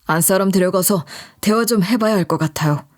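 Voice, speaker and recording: Brief: calm peacemaking husband in an audio story, lowered soothing voice, voiced by a woman. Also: normal speed, lightly acted.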